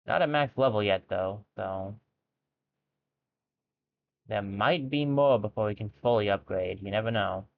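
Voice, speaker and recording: Guy doing let's play commentary, lowish voice, talks to himself, sounds thru a phone-ish line. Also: measured pace, pauses often, phone-quality sound. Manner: thinking aloud, wry self-mockery. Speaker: video game streamer.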